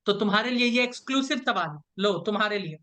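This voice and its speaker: Teaching an online class, this man talks fast in a high, animated voice with a sharp tone. He explains step by step, playful and teasing, and keeps asking "right?" to check that students are following.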